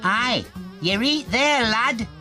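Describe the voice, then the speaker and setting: A man's voice: animated, slow pace, full character voice. A man voicing a big, friendly, sniffly male elephant with a Northern English accent, hearty and folksy. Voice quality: sniffly, booming. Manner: hearty, folksy and plain-spoken. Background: music.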